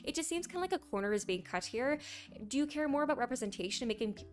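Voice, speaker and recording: A young woman with a hoarse, raspy voice from a sore throat, chatting casually as a gaming news commentator and reading posts aloud. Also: high-pitched, lively intonation, very fast.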